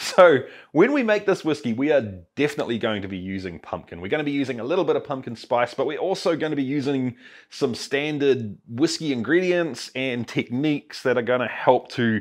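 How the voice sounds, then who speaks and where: The background is quiet as a man goes at a fairly quick pace. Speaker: home distiller host. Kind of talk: tutorial. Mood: playful, joking. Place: workshop. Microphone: lapel.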